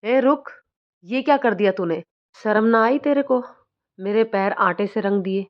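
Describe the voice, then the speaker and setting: A woman voicing a cruel village mother-in-law who shouts and taunts, in a dull lo-fi recording. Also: medium pitch, unhurried, natural voice. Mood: scolding. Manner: harsh, scolding, taunting.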